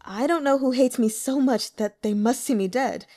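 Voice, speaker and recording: A woman's voice: high voice, normal speed, warm tone, pitched above the performer's own voice. A woman voicing a male head broker in an audiobook, formally polite but self-justifying and indignant. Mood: aggrieved. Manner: protesting, formal, stammers when flustered.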